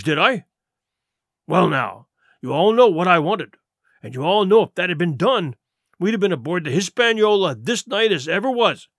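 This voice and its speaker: A man's voice: high voice, fairly bright tone, no room sound, studio quality, heavily acted. Man acting a cunning, scornful, swooping pirate ringleader. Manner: rustic nautical dialect, sarcastic, emphatic, rhetorical. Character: cunning, scornful pirate sea cook leading mutineers. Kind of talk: audiobook character acting.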